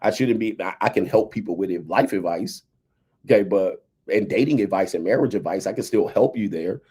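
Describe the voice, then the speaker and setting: A man's voice: lowish voice, brisk, warm tone, breathy edge. A man in his fifties giving casual, emphatic commentary on dating and relationships, often tagging his points with "right?" and "okay". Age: 50s.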